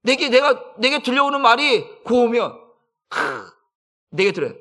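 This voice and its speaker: A male pastor preaching a dawn sermon in church, swinging between loud, urgent bursts and soft, low asides. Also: big pitch swings, measured pace. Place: church sanctuary.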